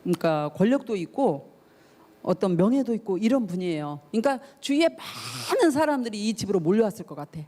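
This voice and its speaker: A woman's voice: medium pitch, sing-song, brisk, warm tone. A woman youth pastor preaching a sermon to teenagers, telling the story with feeling, acting out the voices of the people in it and putting questions straight to her listeners. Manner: asks the listeners questions directly.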